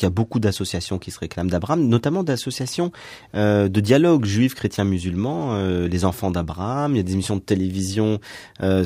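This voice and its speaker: A man's voice: low voice, warm tone, dry recording, clean studio sound. A man hosting a radio discussion, steering the conversation along in a conversational way. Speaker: host.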